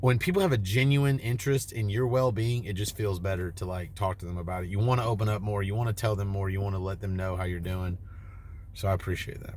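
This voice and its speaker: Rattling along at a very fast pace, a man with an American accent uses a fairly low pitch and ordinary pitch variation. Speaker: vlogger. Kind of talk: casual vlog. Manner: halting.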